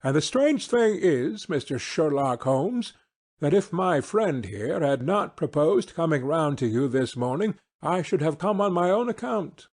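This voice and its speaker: A man's voice: fairly high pitch, a little mellow. A man reading an audiobook as a sturdy, forthright baronet of thirty, blunt and emphatic.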